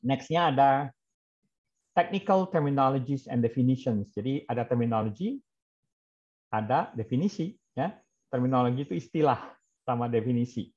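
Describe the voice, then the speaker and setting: A man's voice: medium pitch, expressive, moderate pace, darkish tone. Brief: male trainer, keeps asking the class questions, drops in English example lines, dull lo-fi audio. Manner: quizzes trainees, mixes in English example phrases. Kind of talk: interactive online class.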